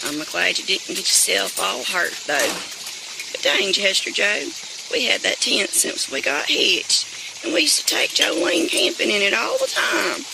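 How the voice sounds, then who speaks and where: Woman acting a gravelly, animated Southern wife, scolding. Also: medium pitch, measured pace, background noise. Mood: wistful. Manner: folksy, scolding drawl. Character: exasperated rural Southern wife and mother, sentimental, scolding. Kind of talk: comedic audio drama acting.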